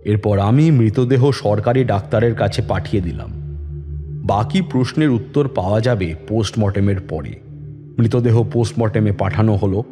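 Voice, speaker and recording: A man narrating a detective story in the first person and voicing the police inspector with a measured, authoritative manner. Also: lowish voice. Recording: long reverb with music bed.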